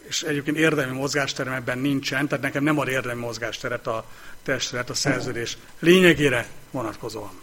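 A man chairing a local council meeting, calling items and announcing vote results in a brisk, procedural way. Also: medium pitch, steady tone, fairly bright tone, slight background noise.

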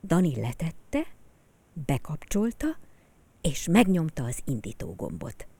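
A woman narrating a children's story in a soft, expressive way. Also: low-pitched, breathy edge, no room sound.

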